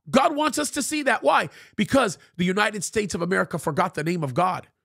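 The man sounds animated. He talks at a fairly quick pace. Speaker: pastor. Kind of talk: sermon. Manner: forceful.

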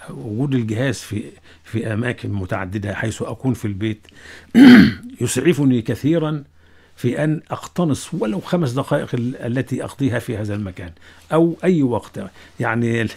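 Speaking at a fairly slow pace in an Egyptian accent, a man sounds somewhat breathy, his intonation lively. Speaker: longtime radio listener. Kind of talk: interview. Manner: halting. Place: studio. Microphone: studio mic.

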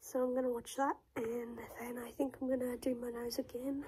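Nasal and high-pitched, a woman speaks at a moderate pace in a monotone, flat intonation. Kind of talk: casual vlog chat. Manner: stuffy, congested post-surgery nasal voice.

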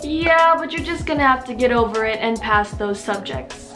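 A woman speaks at a moderate pace with a high pitch and ordinary pitch variation. Clear music plays in the background. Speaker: nursing student vlogger. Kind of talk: casual vlog chat. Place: home room.

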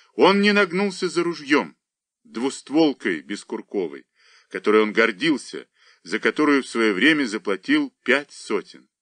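A man's voice with vocal fry and very wide pitch swings, dry and close with no echo, over a quiet background. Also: fairly high pitch for a man, fairly slow pace. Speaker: audiobook narrator. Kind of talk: reading aloud.

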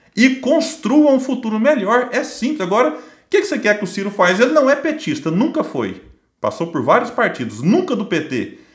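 A man's extremely high voice with very wide pitch swings at a moderate pace, with audible room echo and a quiet background. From Brazil. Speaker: political commentary youtuber. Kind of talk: political commentary monologue. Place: home room.

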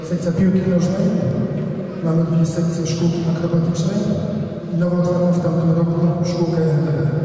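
Through strong room echo and light background noise, a man with a high pitch talks at a fairly quick pace in a monotone, flat voice, with long, frequent pauses. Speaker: club organizer. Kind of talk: heated debate. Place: hall.

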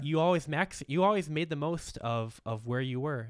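A man speaks at a moderate pace with ordinary pitch variation. The sound is dry with no echo against a quiet background. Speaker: photographer and interviewer. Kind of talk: interview questions. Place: home room. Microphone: studio mic.

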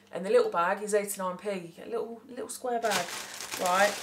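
A woman speaks at a fairly quick pace amid noticeable background noise. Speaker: haul vlogger. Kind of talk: casual vlog chat. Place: kitchen.

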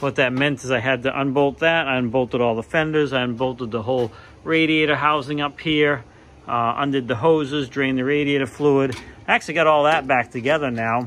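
Fairly even intonation carries a man's fairly quick delivery. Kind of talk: casual project update walkthrough. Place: garage. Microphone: phone near.

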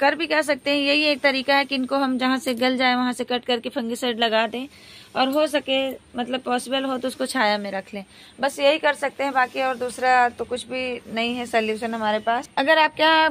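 Her voice high-pitched, a woman speaks with fairly even intonation in a dry sound with no echo. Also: moderate pace. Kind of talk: tutorial. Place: garden. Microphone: phone near.

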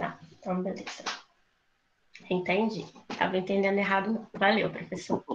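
With long, frequent pauses, a woman talks at a moderate pace in monotone, flat intonation over light background noise. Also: medium pitch for a woman. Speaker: course participant; course participant asking the professor. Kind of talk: class discussion question. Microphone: poor internet connection, no video; video call.

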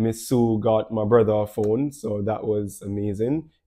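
Over a quiet background, a man speaks at a fairly slow pace. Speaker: vlogger. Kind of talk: casual vlog chat. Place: home room.

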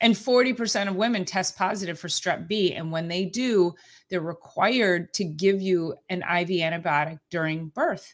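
A woman speaks in an animated tone at a fairly slow pace. The background is quiet. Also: ordinary pitch variation. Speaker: health doctor. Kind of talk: interview. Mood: mildly skeptical, explanatory. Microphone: studio mic.

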